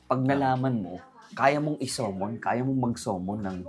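Male, casual storyteller, rambling, animated quoting. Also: mid-range voice, moderate pace. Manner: rambling, animated retelling with quoted voices and code-switching. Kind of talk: casual chat.

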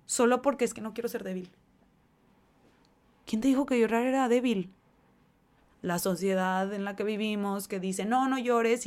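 A woman hosting a podcast, talking earnestly and conversationally about emotions, with many casual fillers. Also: on the high side. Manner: earnest, animated, conversational with fillers like "o sea" and "como que". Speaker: podcast host.

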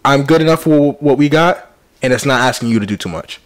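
A man with an African American accent bantering casually in animated, slangy, profane speech. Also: medium pitch, a little fast, a crowd in the background. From Patterson, United States.

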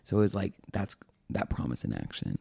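A man in his twenties co-hosting a podcast, chatting casually, excitable and jokey, swearing now and then. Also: low-pitched, a little fast, vocal fry, husky, no room sound. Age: 20s. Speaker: podcast co-host.

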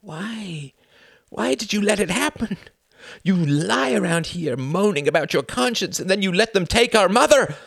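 A man's voice: high voice, animated, moderate pace, gravelly, a bit bright, no echo, studio quality, pitched above the performer's own voice, exaggerated voice. A man voicing a furious, anguished grown son in an audiobook story, accusing and thick with passion, often screaming. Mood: bitter accusation.

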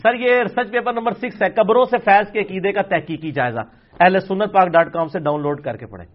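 A man answering audience questions as a religious scholar. He talks in an animated, sarcastic way and acts out the people he quotes in changed voices. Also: high voice, highs cut off. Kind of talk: lecture-style Q&A session.

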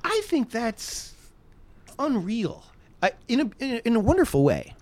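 Chatty interview host with swooping pitch. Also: measured pace, no echo. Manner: chatty, lively intonation with big pitch swings. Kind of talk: casual interview chat.

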